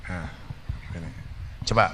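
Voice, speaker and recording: A man's voice: very slow, big-room sound, very noisy. A man giving a humorous religious talk, teasing audience members and slipping into Javanese. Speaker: preacher.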